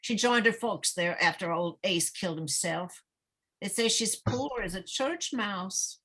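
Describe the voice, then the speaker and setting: A woman acting as an anxious, needy middle-aged small-town mother in a script read, halting and stammering as she talks. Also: mid-range voice, sharp tone. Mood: wistful, gossipy. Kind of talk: dramatic table read of a screenplay.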